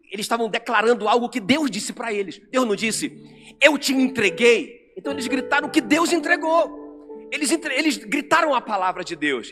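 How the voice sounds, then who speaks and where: A man with a Brazilian Portuguese accent preaching an animated sermon to a congregation in a church. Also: high-pitched. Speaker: pastor. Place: church sanctuary. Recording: long church reverb with music under.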